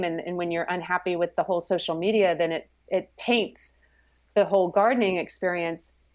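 A woman with an American accent, medium pitch and a moderate pace, an unremarkable speaking voice. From US South, Georgia. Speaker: gardener, podcast guest. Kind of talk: casual chat. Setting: video call.

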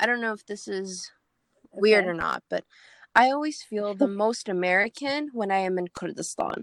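A woman talks in an ordinary speaking voice at a medium pitch and moderate pace, with ordinary pitch variation and a dry, close sound with no echo. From Kurdish background, lives in Minnesota. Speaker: podcast co-host. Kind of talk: casual podcast conversation.

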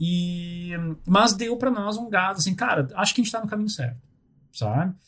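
A man talks at a fairly quick pace. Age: 40s. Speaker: game developer and illustrator. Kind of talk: interview.

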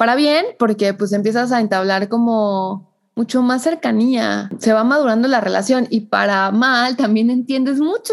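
A woman's fairly high pitch, ordinary pitch variation and moderate pace. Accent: Mexican. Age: 30s. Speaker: podcast host. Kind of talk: casual monologue.

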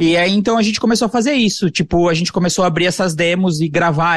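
A man's high voice at a very fast pace with ordinary pitch variation over a quiet background. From Rio Grande do Sul interior (Erechim), Brazil. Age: 30s. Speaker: documentary filmmaker. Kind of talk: casual interview.

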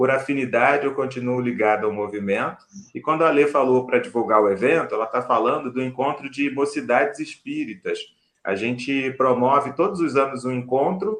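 This man has an ordinary speaking voice, medium in pitch with ordinary pitch variation, moving at a fairly quick pace. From Niterói, Rio de Janeiro, Brazil. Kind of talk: religious discussion.

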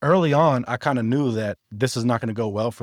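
A man with an American accent talks at a fairly quick pace in a normal speaking voice of medium pitch and ordinary pitch variation, on a very clean recording with a silent background and a dry, close sound with no echo. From Pittsburgh, Pennsylvania. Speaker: sneaker designer. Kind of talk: casual interview.

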